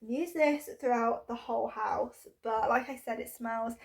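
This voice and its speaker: Young woman with a stuffy cold voice, slightly high, bubbly vlog chat from her bedroom. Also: steady tone, normal speed, creaky. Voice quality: bunged up, nasal. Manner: chatty and bubbly. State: congested with a cold; out of breath. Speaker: home vlogger. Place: bedroom at home.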